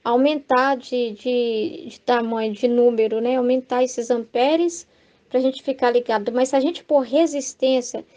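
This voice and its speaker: A woman's voice: a little high, steady tone, unhurried, a little mellow. A Brazilian woman leading a Catholic devotional study, talking conversationally with frequent "né?" and reading passages aloud. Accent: Brazilian Portuguese. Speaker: Bible study teacher.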